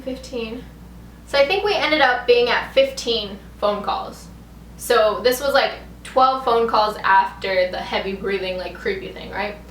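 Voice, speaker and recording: High-voiced young woman in an echoey room. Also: fairly bright tone. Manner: rambling, heavy use of "like". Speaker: vlogger telling a story. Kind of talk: casual chatty storytime. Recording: echoey room with background noise.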